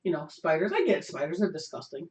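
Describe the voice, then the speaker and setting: A hoarse man with a Chicago accent riffs and teases in loose webcast banter. The sound is dull and lo-fi, with a roomy echo around his voice. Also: a little high, expressive, quick pace, a little mellow. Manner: joking, teasing banter. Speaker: podcast co-host. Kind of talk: casual chat. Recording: echoey room, dull lo-fi sound.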